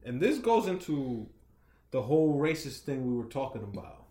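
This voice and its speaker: A man co-hosting a casual, profane podcast chat, telling stories in an animated way. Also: mid-range voice, normal speed, echoey room. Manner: animated storyteller, acts out quotes with shouty put-on voices. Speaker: podcast co-host.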